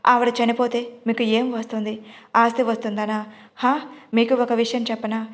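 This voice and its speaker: A woman acting out a grieving young man in a storybook audio drama, hurling loud accusations in a flat, level voice pitched fairly high. His fury stays even rather than swinging up and down. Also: close to an everyday voice.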